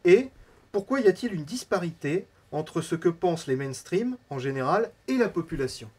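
A radio show host moderating a studio discussion, reading out prompts haltingly with fillers. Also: mid-range voice, lively intonation, darkish tone, breathy edge. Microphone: studio microphone.

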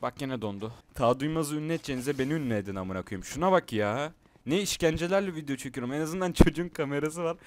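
Fast-ranting frustrated young gamer man. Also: on the high side, expressive. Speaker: gamer streamer. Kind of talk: angry gameplay commentary.

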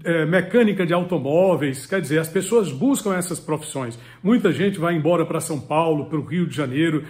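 A man's voice: a little high, animated, a little fast, a little mellow. A man, giving earnest, instructive advice straight to the camera from a home study, repeating key words for emphasis. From Piauí, Brazil. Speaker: political commentator and channel host. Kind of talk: direct-to-camera advice talk. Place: home study with full bookshelves. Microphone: webcam or phone close up, head and shoulders.

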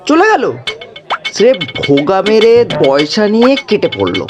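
Man acting a high-voiced, skeptical youth. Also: wildly swooping pitch, normal speed, crowd noise. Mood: indignant. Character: skeptical, protesting youth, sidekick of a gang. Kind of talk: audio drama acting. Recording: music behind the voice.

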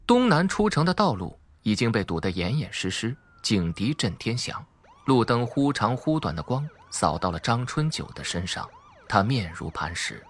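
A man's voice: lowish voice, very animated, normal speed. A man reading a suspense audiobook as a dramatic scripted narrator.

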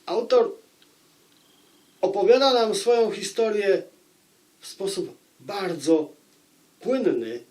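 A man giving a book review to viewers, phrasing deliberately like a storyteller, with pauses. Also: fairly high pitch. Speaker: book reviewer and audiobook narrator.

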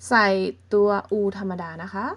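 A woman teaching a beginner language lesson, explaining patiently step by step and often checking in with her listeners. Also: dull audio. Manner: patient, explains slowly and checks in with softening particles.

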